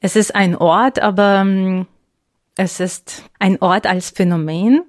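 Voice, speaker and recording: A woman's voice: medium pitch, steady tone, takes it slowly, no echo. Woman from Ukraine, podcast co-host, thoughtful, searches for words, dry close sound. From Ukraine, Lviv. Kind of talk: casual conversation.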